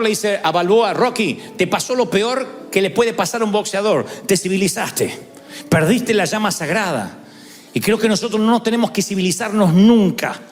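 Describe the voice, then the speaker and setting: A man preaching a sermon, telling stories and rising to shouted calls to celebrate. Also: high voice, big-room sound. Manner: storytelling, building to shouted exhortation. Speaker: pastor.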